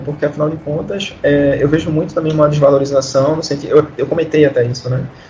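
Noticeable background noise sits behind a man with a fairly high pitch. He talks at a very fast pace with hardly any pauses. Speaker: university translation professor. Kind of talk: interview. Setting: online call.

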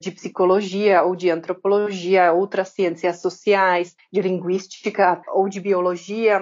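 Fairly slow speech from a woman, pitched in her middle range. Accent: Czech. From Czech Republic. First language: Czech (speaking Portuguese). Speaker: anthropologist, professor. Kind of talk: interview.

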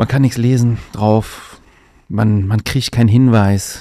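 A man with a dark, mellow tone talks at a moderate pace, with ordinary pitch variation. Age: 40s. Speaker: sommelier. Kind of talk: casual chat.

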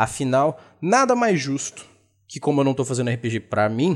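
A man's fairly high voice with very wide pitch swings at a moderate pace, in a very clean recording with a silent background. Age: 30s. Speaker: podcast host and RPG game master. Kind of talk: solo monologue, casual reflective talk.

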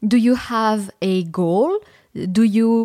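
The woman's voice has a dark, mellow tone and a fairly high pitch. The sound is dry and close, with no echo. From Paris, France. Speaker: podcast host. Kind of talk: interview; scripted narration. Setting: remote call.

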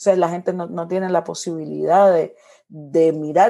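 Over a quiet background, a woman with a dark, mellow tone speaks at a moderate pace in a fairly low pitch. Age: 20s. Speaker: singer-songwriter. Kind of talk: interview.

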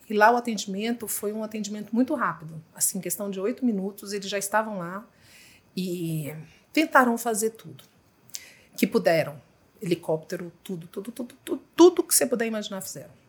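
Somewhat breathy and fairly quick, a woman talks at a medium pitch with lively intonation and big swings in loudness. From Brazil, Federal District (Brasília). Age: 40s. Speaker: politician. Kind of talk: podcast interview.

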